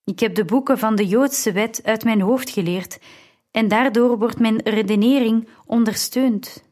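A woman reading the lines of a calm, devout young man in an audiobook, gentle and firm in manner. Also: fairly high pitch, a little slow. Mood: earnest.

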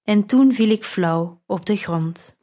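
A woman reading a first-person audiobook in a measured, earnest way. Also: medium pitch, warm tone. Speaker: narrator.

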